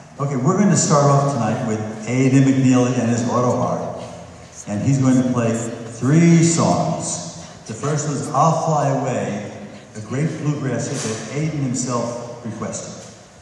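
The speech moves at a fairly slow pace, with strong room echo and light background noise. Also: man, ordinary pitch variation. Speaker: recital host teacher. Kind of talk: event announcement. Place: hall. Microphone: camera far.

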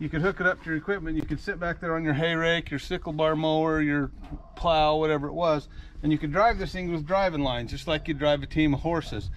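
With light background noise behind him, a man speaks at a very fast pace in a fairly even intonation. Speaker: tractor owner. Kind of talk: casual explanation to camera. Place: street. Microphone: camera far.

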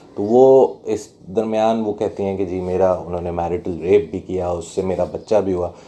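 With hardly any pauses, a man at a moderate pace uses a very deep, low pitch and a dark, mellow tone, his intonation fairly even. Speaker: book reviewer. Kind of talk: book review monologue. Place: home room.

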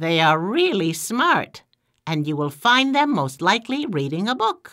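A cartoonish character voice sits at a middle pitch with very wide pitch swings. The pace is moderate. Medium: puppet show. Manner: friendly, helpful.

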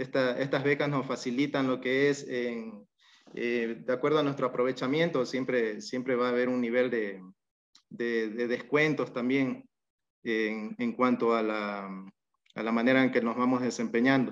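This man's pitch sits at a medium level and his intonation stays fairly even. He talks at a fairly slow pace. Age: 30s. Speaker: university student. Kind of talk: testimony. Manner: halting, repeats words. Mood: humble, proud, grateful. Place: home room. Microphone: video call.

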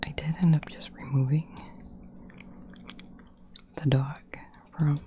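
A woman whispers at a fairly slow pace. Light background noise is audible. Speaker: gameplay narrator. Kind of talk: ASMR gameplay commentary. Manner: whispered.

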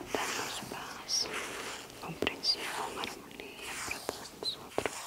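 Very slowly and in a whisper, a soft-spoken woman talks. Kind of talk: soft spoken narration of a ritual, with prayer. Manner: soft ASMR whisper, prayer-like. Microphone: lapel.

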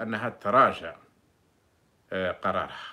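Very slow speech from a man, the background quiet. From Algeria. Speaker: political commentator. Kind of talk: live stream monologue. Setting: live stream. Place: home room. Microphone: phone near.

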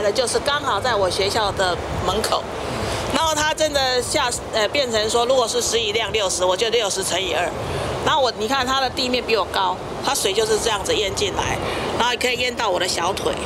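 A woman talks rather quickly while loud noise fills the background. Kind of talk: interview answer. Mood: concerned, explaining. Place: street. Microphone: handheld.

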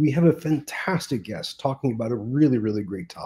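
Talking at a fairly quick pace, a man sounds somewhat breathy, and his pitch swings very widely. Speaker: forum host. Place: home room. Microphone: webcam.

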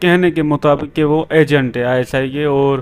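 A man with an unremarkable speaking voice, fairly high in pitch, with fairly even intonation. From Pakistan. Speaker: reaction video host. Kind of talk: reaction video commentary. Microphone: handheld.

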